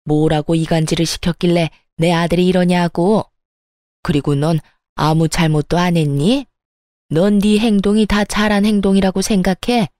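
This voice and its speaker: A woman puts on a spiteful middle-aged mother-in-law from a dramatized story, dropping her voice lower and dragging out her scolding lines. The tone is mellow and dark rather than bright, heard dry and close with no room around it. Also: steady tone, normal speed, no echo, close to an everyday voice. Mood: accusing. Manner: sneering, berating.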